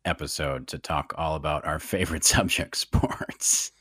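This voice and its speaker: A man's voice: extremely low pitch, fairly quick, slightly rough, no echo, clean studio sound. A man co-hosting a podcast, chatting casually, joking and going off on tangents. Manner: animated, joking, goes off on tangents. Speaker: podcast co-host. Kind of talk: casual chat.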